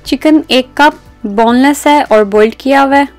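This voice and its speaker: A woman's voice: high voice, normal speed, a little mellow, faint music behind. A woman hosting a recipe video in voice-over, explaining step by step and addressing viewers directly. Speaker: cooking show host.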